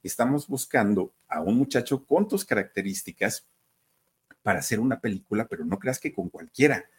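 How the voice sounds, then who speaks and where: A persuasive film producer coaxes a young man in a casual tone, as a male narrator plays him. The voice sits low and husky. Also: lively intonation, moderate pace. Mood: coaxing. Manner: coaxing.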